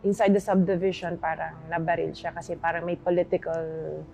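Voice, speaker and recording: A woman in her forties, raised partly in the United Kingdom, answering interview questions in a soft, hesitant way with many fillers. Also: on the low side, flat delivery, normal speed, creaky, a little hiss or hum, low-quality recording. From United Kingdom and the Philippines. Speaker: interview guest.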